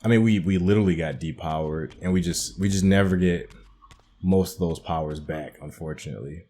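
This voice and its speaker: A man's voice: deep voice, brisk, dark tone. A man giving casual playthrough commentary on a video game, thinking aloud in a musing, hesitant way. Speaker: gaming channel host.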